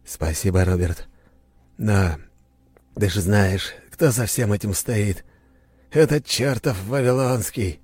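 Brief: man playing a weak, irritable old father, slow and hoarse. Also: on the low side, darkish tone, no echo, voice pushed up. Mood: grim. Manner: hoarse, strained, commanding. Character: older father, weak from a coma, quick to anger. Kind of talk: audiobook character voice.

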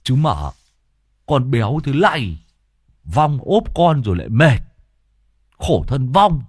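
A man's voice: mid-range voice, big pitch swings, takes it slowly, husky, no room sound, clean studio sound, pitched above the performer's own voice, full character voice. A man voicing Lâm Sẹo, a sly older male sidekick who talks in a teasing way.

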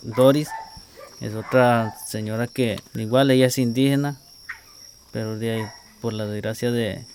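A community spokesman from Costa Rica answers field interview questions outdoors, with clear background noise behind him. His mid-range voice is flat and hesitant, and he speaks haltingly, repeating words as he searches for them.

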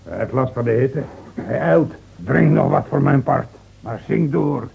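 An actor in a Dutch radio play playing a gruff, uneasy villager who speaks in a curt, suspicious way. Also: male voice, mid-range voice, lively intonation, a little slow, slight background noise. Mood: scornful, impatient. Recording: muffled old radio play recording.

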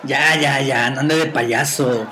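A man's voice: medium pitch, steady tone, slow, close to an everyday voice. A man with a Mexican accent playing a rude, cheeky, crooked younger street guy in a radio play, mocking and curt. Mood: dismissive.

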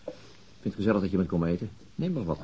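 A man's voice: low voice, big pitch swings, racing, mellow, slightly rough, lo-fi sound, full character voice. An actor playing a gloomy, bitter middle-aged chief inspector and father in a radio drama, blunt and sardonic. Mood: weary, subdued. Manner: grumbling, sardonic, blunt and coarse. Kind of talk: naturalistic radio drama acting.

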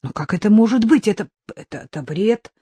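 A woman voicing a distraught young mother, fierce and defensive, speaking in shrill, accusing outbursts. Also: animated, brisk, mellow, breathy edge, no echo. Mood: shaken.

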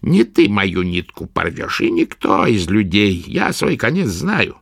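Creaky old witch, as a man puts her on. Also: on the low side, big pitch swings, no room sound, clean studio sound, heavily acted. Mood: gruff. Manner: scornful, creaky, drawn-out. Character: spiteful old female forest witch.

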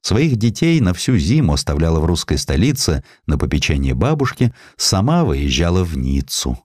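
Male audiobook narrator for historical prose: low register, lively intonation, measured storytelling, close dry sound. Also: no echo. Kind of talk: scripted literary narration of a historical sketch.

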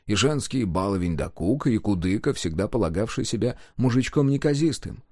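A man narrating an audiobook in an expressive storytelling manner. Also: fairly low pitch, a little fast, no room sound, clean studio sound.

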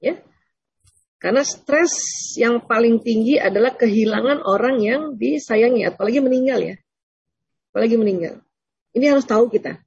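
A woman giving a conversational religious lecture in style, gently reassuring and acting out little dialogues as she answers questions. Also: fairly high pitch, normal speed, long pauses, breathy edge, no room sound, dull audio. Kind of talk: Islamic lecture with Q&A.

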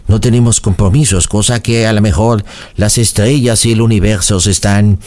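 A man's voice: lowish voice, close to an everyday voice. A man playing a flowery, courtly French suitor in his forties on a prank call. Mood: romantic. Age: 40s. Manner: flowery, courtly, slow romantic flattery. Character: smooth-talking French suitor man, middle-aged.

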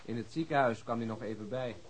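A man's voice: mid-range voice, fast talker, natural voice. An actor playing a wry, irreverent policeman in colloquial, naturalistic radio drama dialogue.

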